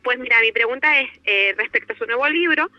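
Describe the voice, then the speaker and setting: A woman's voice: a little high, fast. A woman calling in to a live show over the phone, hesitant and searching for her words as she asks her question. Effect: heard over the phone. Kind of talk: casual call-in question. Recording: slightly muffled dry phone line.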